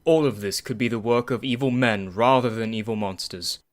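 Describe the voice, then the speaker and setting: An actor playing a skeptical doctor who argues calmly for rational explanations. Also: male voice, medium pitch, normal speed, no echo, close to an everyday voice. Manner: skeptical, reasoned.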